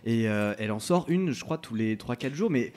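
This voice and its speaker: A man's voice: medium pitch, animated, moderate pace, a little mellow. A man hosting a talk show in loose, casual conversation. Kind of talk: casual chat.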